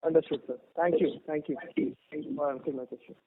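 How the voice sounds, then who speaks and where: A man's voice: on the high side, steady tone, quick pace. A man with an Indian accent politely asking questions as an analyst on an earnings call. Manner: polite, deferential. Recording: phone line with noise, clicks.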